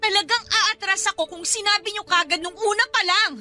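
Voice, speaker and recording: A woman's voice: extremely high pitch, a little fast, pushed and bright, faint music behind, exaggerated voice. An actress playing a distressed, reproachful young daughter in a radio drama, questioning her mother with open emotion. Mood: hurt, indignant.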